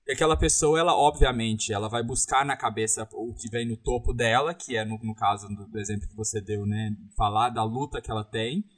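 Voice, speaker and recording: A man's voice: mid-range voice, fairly even intonation, brisk, few pauses. A man who talks thoughtfully in discussion, often restarting his phrases. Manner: thoughtful, restarts often, agrees and builds on points. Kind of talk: conversational discussion.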